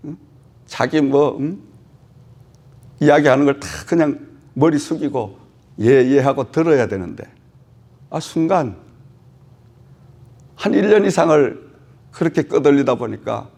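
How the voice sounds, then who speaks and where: A man's voice: fairly high pitch, darkish tone. A middle-aged male pastor preaching a sermon, telling a personal story with emotional swells and frequent rhetorical prompts to the congregation.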